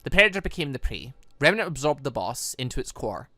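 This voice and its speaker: A man voicing a calm, teasing, all-knowing warrior mother from a visual novel, telling lore in a patient, measured way. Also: mid-range voice, no echo. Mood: solemn storytelling.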